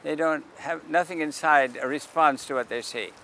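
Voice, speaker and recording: A man's voice: fairly high pitch, normal speed, slight background noise. An older man explaining the sun and the public in casual talk, outdoors in a park beside a parking lot, heard through a camera mic a few feet away. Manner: calls out invitations loudly to passersby, dry humor. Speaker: sidewalk astronomer.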